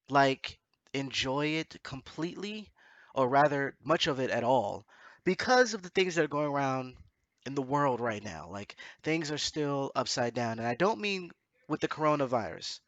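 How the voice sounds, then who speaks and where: Male host, bright forceful voice, slightly stuffy nose, rambling casual chat, very dry recording. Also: on the high side, very animated, measured pace, no room sound, dull audio. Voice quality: congested nose from allergies. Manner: hesitant, self-correcting, rambling. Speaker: podcast host.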